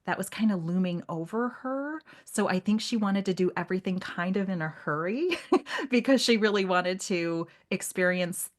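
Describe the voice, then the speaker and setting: A woman's voice: mid-range voice, moderate pace. A woman co-hosting a podcast, talking casually about literature in a rambling way with acted-out asides. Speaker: podcast co-host.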